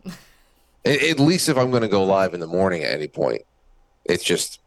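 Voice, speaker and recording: Lowish-voiced man chatting as a co-host. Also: sing-song, brisk, no room sound, studio quality. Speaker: talk show co-host. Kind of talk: casual live chat.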